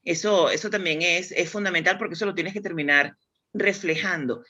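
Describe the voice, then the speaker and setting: This Spanish guest, speaking with a Spanish accent, explains demand planning thoughtfully and conversationally during an interview, frequently starting over. Her voice is on the low side, bright and forceful, delivered at a moderate pace.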